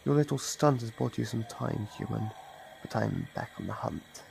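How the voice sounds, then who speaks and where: A man playing an ancient predatory monster in an ASMR audio roleplay, creaky and gravelly, taunting and possessive, savoring his words with long pauses. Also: lowish voice, noisy background. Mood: taunting, hunting.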